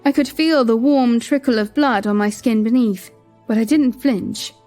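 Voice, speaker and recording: Female narrator, slightly high voice, first-person storytelling, faint music behind. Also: moderate pace, warm tone. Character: queen narrating her own story.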